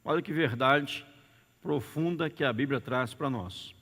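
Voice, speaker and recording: A man's voice: medium pitch, a little slow, a bit bright. A man preaching a sermon in Brazilian Portuguese, emphatic and repetitive, calling on the congregation for amens. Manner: emphatic, repeats key words, calls out for amens. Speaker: pastor. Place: church sanctuary. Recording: reverberant church hall.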